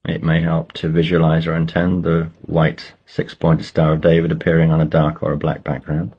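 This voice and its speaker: A man leading a guided meditation, giving slow, measured instructions with pauses between phrases. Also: a bass voice, completely flat delivery, breathy edge, muffled recording.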